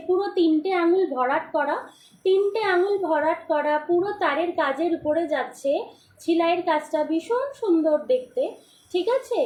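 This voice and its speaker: A hoarse woman hosting a live-stream jewellery sale, repeating prices and often checking that viewers follow. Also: very high-pitched, a little mellow, reverberant, slight background noise. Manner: repetitive, keeps asking for confirmation. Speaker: jewellery seller. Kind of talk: live-stream sales pitch.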